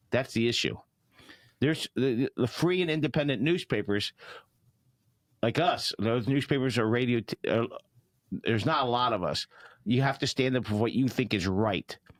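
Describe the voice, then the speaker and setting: A man with an American accent speaks at medium pitch and a moderate pace, with ordinary pitch variation, long and frequent pauses, and very even loudness, in a very clean recording with a silent background. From Miami, Florida. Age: 60s. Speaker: newspaper publisher. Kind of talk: interview. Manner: halting.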